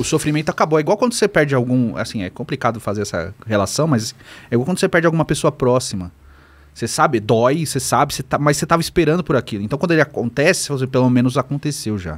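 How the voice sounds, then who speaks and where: A man speaks at a very fast pace. His fairly high voice has lively intonation. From Brazil. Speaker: football YouTuber. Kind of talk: casual chat. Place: studio. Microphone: studio mic.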